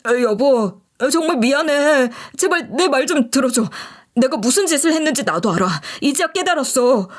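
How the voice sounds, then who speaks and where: A woman's voice: high-pitched, animated, normal speed, pitched above the performer's own voice. A woman voicing a desperate young man who pleads tearfully with his ex-fiancée in a story narration. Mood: begging. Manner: begging, whiny and desperate.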